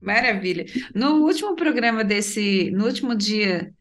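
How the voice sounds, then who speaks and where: A woman's voice: mid-range voice, lively intonation, unhurried. A woman missionary hosting a Christian radio program, affirming her guest and explaining the next episode. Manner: affirming, brief interjections, explanatory.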